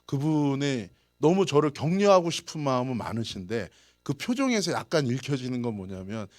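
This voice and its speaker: A man's voice: mid-range voice, normal speed, no room sound, clean studio sound. A male pastor preaching a sermon in a storytelling way, chuckling often and acting out the people in his anecdotes. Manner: lively anecdotes, chuckles often, acts out quoted lines. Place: church service.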